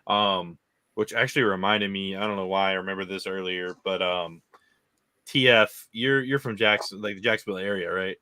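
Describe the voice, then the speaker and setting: Low-voiced male co-host, bright tone, rambling and loose, dry sound. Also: fairly even intonation, normal speed, no room sound. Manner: rambling, full of restarts and fillers. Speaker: podcast co-host. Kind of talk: casual sports chat.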